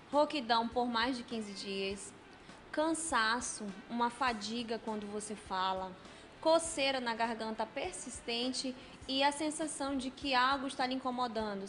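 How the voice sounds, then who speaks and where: A Brazilian woman with a slightly higher voice gives calm, measured explanations as a guest on a studio talk show. Her tone is steady and explanatory. A faint background hiss runs under the recording. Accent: Brazilian Portuguese. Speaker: speech health specialist guest. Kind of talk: explanatory studio interview answers. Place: television studio.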